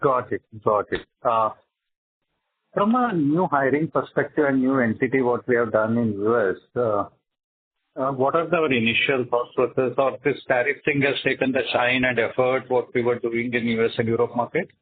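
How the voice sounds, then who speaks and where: A man's voice: medium pitch, moderate pace, breathy edge, no echo. A man asking questions as an investor analyst on an earnings call. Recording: thin, phone-like conference line.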